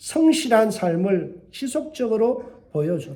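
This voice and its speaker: A high-pitched man amid audible room echo and noticeable background noise. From Gyeongsang region, South Korea. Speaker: pastor. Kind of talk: sermon. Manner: sounds angry when voice rises.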